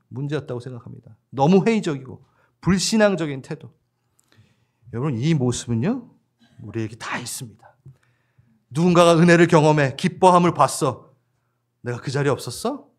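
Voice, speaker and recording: Pastor guy preaching in church, voice jumps up and down a lot, kinda high. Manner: lively, laughs with the congregation, acts out disciples' voices. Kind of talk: sermon.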